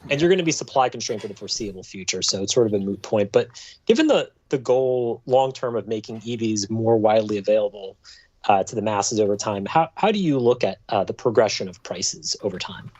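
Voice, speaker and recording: A man working as a financial analyst, politely and haltingly putting questions on a dull-sounding conference call. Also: on the low side, animated, darkish tone.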